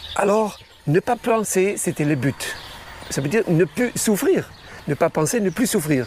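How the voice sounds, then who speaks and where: A man talks at a fairly slow pace in a high pitch, with lively intonation. Long, frequent pauses break up his speech over noticeable background noise. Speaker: teacher, author and musician. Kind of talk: testimony. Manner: halting.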